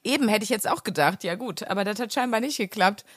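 A woman's voice: mid-range voice, expressive, fast talker, no room sound, studio quality. A young woman co-hosting a podcast, cracking crude jokes in casual chat. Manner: joking, riffing on crude ideas. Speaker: podcast co-host.

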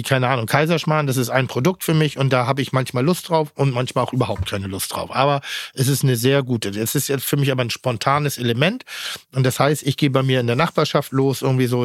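A middle-aged man from northern Germany, a chef, talking as a podcast guest in a halting, blunt way with many restarts. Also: mid-range voice, no echo, studio quality. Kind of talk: casual podcast chat.

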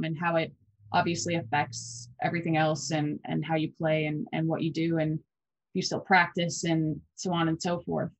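A woman in her twenties co-hosting a college basketball podcast, chatty and quick with fillers and restarts. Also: low voice, no room sound, poor audio. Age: 20s. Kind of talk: casual sports podcast chat.

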